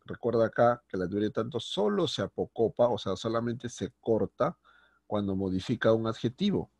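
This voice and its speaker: Low-voiced male teacher explaining grammar. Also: gravelly, darkish tone, no room sound. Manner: explanatory, checks in often with quick tag questions. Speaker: secondary school language teacher. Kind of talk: recorded grammar lesson.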